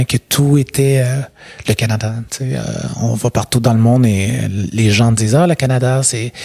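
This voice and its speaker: A man's voice: medium pitch, a little mellow. A man in his thirties with a Québécois French accent, telling his personal story as an interview guest in a reflective way, with frequent hesitations. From Quebec. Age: 30s.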